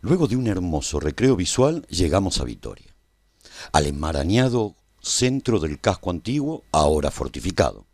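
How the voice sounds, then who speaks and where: An actor playing a tender, reflective survivor who narrates a post-apocalyptic radio serial in a measured, solemn way. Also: male voice, deep voice, darkish tone, no room sound, studio quality. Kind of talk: scripted first-person narration for a radio serial.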